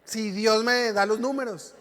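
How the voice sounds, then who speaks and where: A pastor gives a joking, conversational sermon and keeps asking the congregation questions. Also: male voice, sits high, fairly even intonation, a little slow, fairly bright tone, slight background noise. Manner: jokes and asks the congregation questions. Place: church hall. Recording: church hall with long reverb.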